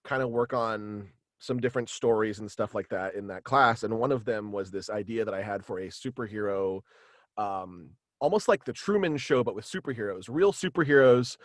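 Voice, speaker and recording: Halting young man, close dry sound. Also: on the low side, no echo. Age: young adult. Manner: hesitant, halting, rambling. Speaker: interview guest, voice actor. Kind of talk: casual interview chat. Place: small indoor room with acoustic padding, video call. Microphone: close studio mic, headphones.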